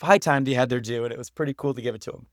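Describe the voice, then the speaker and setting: A man's voice: mid-range voice, racing, no echo, studio quality. An American man talking as an interview guest, telling stories conversationally in an earnest, explanatory way with emphatic repetition. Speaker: podcast guest, documentary director.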